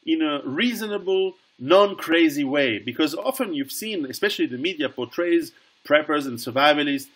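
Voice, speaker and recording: A man's voice: on the high side, animated, normal speed, hardly any pauses, a bit bright. A middle-aged man speaking as a guest author over a video call, earnest, often restarting and repeating words.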